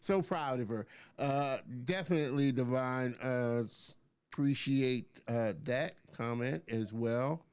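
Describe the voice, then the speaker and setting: A man's voice: medium pitch, slow pace, a little mellow, smooth. A man hosting a live interview show, upbeat and chatty, with lots of filler words as he reads out viewer comments. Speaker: host.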